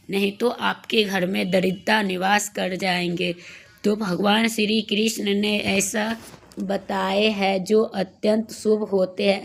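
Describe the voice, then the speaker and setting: A woman with a cold-roughened, hoarse voice tells a devotional story at an unhurried pace. Her pitch stays flat and level throughout, and she rambles a little with restarts and fillers, speaking to her viewers as friends. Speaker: devotional YouTuber.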